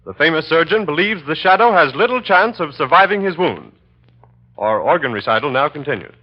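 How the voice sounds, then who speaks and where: A male announcer with a crisp, emphatic delivery in classic 1930s style. His voice sits high for a man and swoops in a lively way. The sound is muffled, like an old radio recording. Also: fairly quick.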